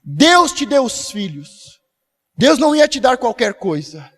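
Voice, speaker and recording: A male pastor preaching an emphatic sermon. He shouts at the peaks and acts out prayers. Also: very high-pitched, sing-song, unhurried, breathy edge. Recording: long hall reverb.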